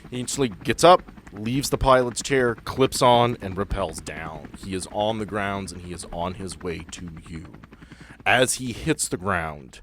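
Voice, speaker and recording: A man's voice: sits low, expressive, a little slow, fairly bright tone, slight background noise. A man narrating as game master in a tabletop game, casual and profane, drifting into nerdy asides.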